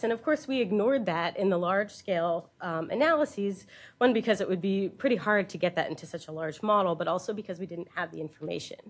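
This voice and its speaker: A woman researcher presenting a scientific lecture, explaining in plain terms with informal asides. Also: lowish voice. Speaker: university researcher giving a keynote. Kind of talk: scientific conference lecture with slides.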